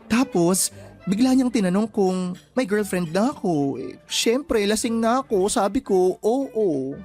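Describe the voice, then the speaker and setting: A man's voice: sits high, lively intonation, a little slow, a little mellow, faint music behind. An actor playing a flamboyant, closeted young gay man who gossips and schemes in a radio drama, full of colloquial slang. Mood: defensive, campy. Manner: campy, sassy, gossipy storytelling.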